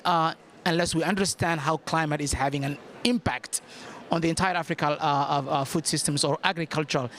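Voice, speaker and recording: Man from Somalia, fairly high-pitched, panelist, emphatic, numbered points, repeated phrases, unscripted policy remarks. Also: fairly bright tone. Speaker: government policy director, panelist.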